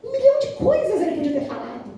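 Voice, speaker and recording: A Brazilian woman preacher delivering a sermon, telling stories with lively acted-out dialogue. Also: very high voice, fast. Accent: Brazilian Portuguese. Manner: animated storytelling, acting out quoted dialogue. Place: church hall. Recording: very echoey church hall, mic at a distance.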